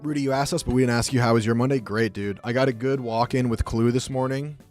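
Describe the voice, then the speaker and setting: A man's voice: medium pitch, fairly even intonation, fast, darkish tone, faint music behind. A man streaming live, chatting casually with viewers, joking and rambling as he reacts to the chat.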